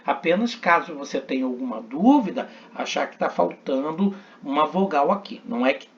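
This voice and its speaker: Male instructor, slow deliberate delivery, lively pitch, dull lo-fi audio, recorded lesson. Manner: slow, deliberate, repeats words for practice. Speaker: teacher.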